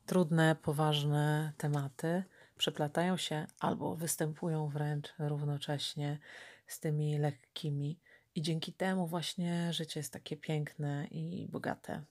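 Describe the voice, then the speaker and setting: A woman psychotherapist introducing her channel in a measured, earnest way. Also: deep voice, flat delivery, darkish tone.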